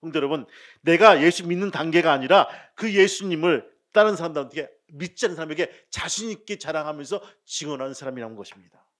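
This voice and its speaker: A male pastor delivers a Sunday sermon in a somewhat high voice. He quizzes and teases his congregation, and he alternates booming emphasis with soft asides. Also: fast talker. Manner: asks the congregation questions and jokes with them; swings between loud emphasis and quiet asides.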